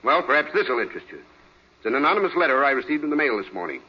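A man's voice: medium pitch, sing-song, very fast, husky. An American actor playing a middle-aged, earnest, formal businessman and father in a 1940s radio drama. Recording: dull 1940s radio recording.

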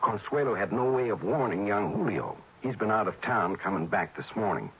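Earnest halting worried friend. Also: male voice, lowish voice, animated, slightly rough. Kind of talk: 1950s-60s radio drama acting. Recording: dull old radio broadcast.

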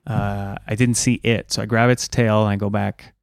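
A man's voice: fairly low pitch, little pitch movement, moderate pace, gravelly, clean tone, no room sound, clean studio sound. A man co-hosting a comedy podcast, rambling through a spooky story with plenty of fillers. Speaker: podcast co-host.

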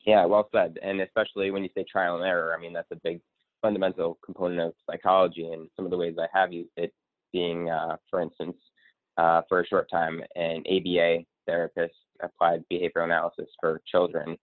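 A man from Connecticut, a guest speaker and coach, talking in a relaxed, rambling way with many ums. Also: low-pitched, fairly quick, dry recording. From Connecticut, USA. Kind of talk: casual interview. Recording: tinny phone-line sound.

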